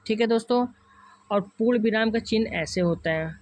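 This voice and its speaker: Hindi-speaking teacher walking through exam questions. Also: male voice, sits high, a little fast. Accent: Hindi, north Indian. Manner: addresses viewers as friends, walks through each option repeatedly. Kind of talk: online class lecture.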